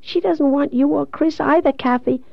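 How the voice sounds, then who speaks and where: Woman performing a dying young woman, audiobook drama, high faint voice, childlike, despairing, slightly muffled recording. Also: vocal fry, no echo. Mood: anguished, hurt. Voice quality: faint, thin, whispery. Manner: halting, childlike, plaintive.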